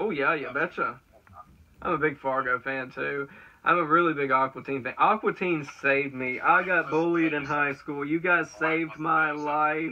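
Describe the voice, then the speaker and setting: A man with a Southern US accent speaks at a moderate pace. His pitch is fairly high and his intonation fairly even. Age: 20s. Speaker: YouTuber and aspiring voice actor. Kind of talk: casual interview chat. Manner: halting.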